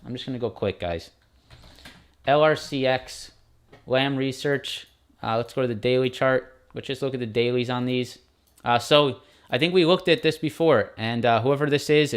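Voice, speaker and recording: Male streamer, mid-pitch, loose and quick chart talk to viewers. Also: smooth. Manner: quick, informal, addresses viewers as guys. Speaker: stock market live stream host. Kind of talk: casual chart walkthrough.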